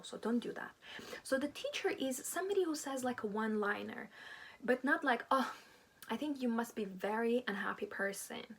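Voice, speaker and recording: Breathy woman giving earnest advice. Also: fairly high pitch. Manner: earnest, acts out quoted replies. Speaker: self-help video host. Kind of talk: informal advice talk.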